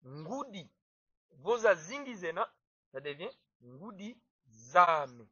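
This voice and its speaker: A man gives a grammar lesson in a high, bright voice, taking his time over each point. He repeats words to drive them home. The recording is dry and a little dull. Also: big pitch swings, breathy edge, dry recording. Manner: slow, deliberate, repeats words to stress them. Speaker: language teacher. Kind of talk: explaining grammar to viewers. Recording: dull, slightly muffled dry sound.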